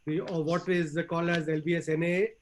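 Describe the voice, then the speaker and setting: A man with a polished, educated Indian accent, speaking formally and in measured, ornate phrases as he gives a talk. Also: on the high side, level tone, a little hiss or hum. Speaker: panel speaker, forest service officer. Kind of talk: formal conversational talk on history.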